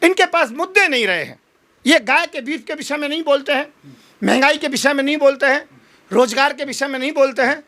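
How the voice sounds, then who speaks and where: Man, very high voice, bright forceful tone, combative political oratory. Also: fairly quick. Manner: combative, emphatic oratory with rhetorical challenges. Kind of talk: impassioned political interview.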